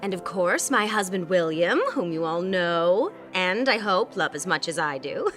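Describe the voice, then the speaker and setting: An actress playing an effervescent, vain, wealthy 1950s society hostess with grand, affected speech. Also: female voice, on the low side, animated, normal speed, a bit bright. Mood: airy, cutting. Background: music.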